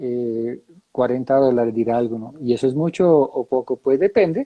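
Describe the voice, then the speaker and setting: Speaking at a moderate pace with ordinary pitch variation, the voice carries a Colombian accent. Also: man, medium pitch for a man. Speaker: coach and mentor. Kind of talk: interview conversation. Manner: animated.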